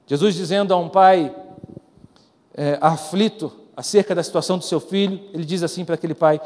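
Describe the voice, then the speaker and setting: A man preaching with a Brazilian accent in a high, lifted voice, swinging from loud calls to courage down to quiet, confiding stories. The sound rings out in a big church with a long, lingering reverb. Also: fairly even intonation, a little fast. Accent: Brazilian Portuguese. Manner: swings from loud exhortation to hushed storytelling. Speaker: pastor. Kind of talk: sermon. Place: large church.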